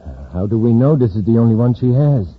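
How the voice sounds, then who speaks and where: A man's voice: mid-range voice, big pitch swings, fairly quick, slightly rough. A man playing a scheming criminal gang boss in an old radio drama, curt and commanding. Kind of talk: 1950s radio drama acting. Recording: dull lo-fi old radio recording.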